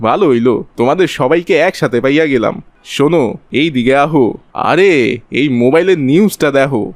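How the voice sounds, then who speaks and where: A man's voice: a little high, expressive, brisk, dry recording, lightly acted. A man voicing a scheming, wheedling village conman in a cartoon, with a rural Bangladeshi accent. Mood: urgent. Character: scheming male village conman spreading virus rumours for profit. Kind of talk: cartoon character acting.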